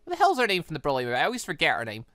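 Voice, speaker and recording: A gaming host with a bright, punchy voice that jumps around in pitch. The sound is dry and close. They read visual novel lines aloud and slip into their own casual commentary. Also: rapid-fire, no room sound. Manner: animated, breaks off into asides and stumbles while reading.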